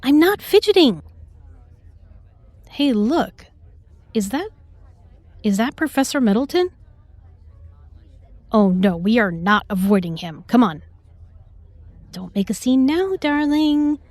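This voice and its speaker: A woman's voice: fairly high pitch, very animated, slow pace, long pauses, darkish tone, no room sound. A woman acting a self-assured, protective starship doctor in a sci-fi audio drama, composed and pointed in her delivery. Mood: playful, reassuring.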